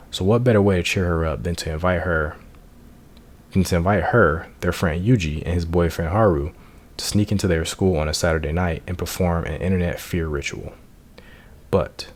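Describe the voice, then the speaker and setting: A man giving casual, informal and self-deprecating commentary as the host of a video game playthrough. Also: low voice. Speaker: let's play host. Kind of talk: casual gaming commentary with read-out game text. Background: music.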